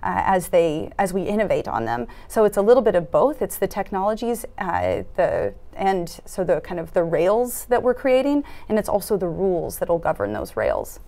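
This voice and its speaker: A woman in her thirties giving earnest interview answers in a studio, often pausing with fillers and restarting her sentences. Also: mid-range voice, sing-song, warm tone. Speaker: foundation program officer, interviewee. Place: dark studio set at a conference.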